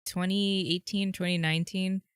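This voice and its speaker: A woman in her late twenties, a podcast co-host, teasing and quick to laugh. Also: fairly low pitch, level tone, smooth, dry recording, clean studio sound. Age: 20s. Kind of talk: casual podcast chat.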